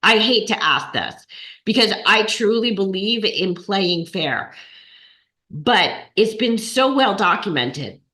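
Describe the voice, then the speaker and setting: A woman's voice: medium pitch, pushed and bright. A woman hosting a podcast, asking a guest long, carefully built questions. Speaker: podcast host. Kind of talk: conversational interview.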